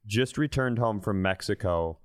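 A man's voice: fairly low pitch, normal speed, dry recording, clean studio sound. A man co-hosting a comedy podcast, telling casual stories in an irreverent, profane way.

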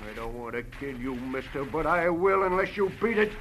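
A frightened, battered American small-timer in a 1940s radio crime drama. His voice is fairly high, pleading and stubbornly defensive, with rough street grammar. Faint noise runs under the vintage recording. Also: expressive, fairly quick, a bit bright. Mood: desperate. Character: frightened, beaten-up, stubborn small-time male informant. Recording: noisy old-time radio recording.

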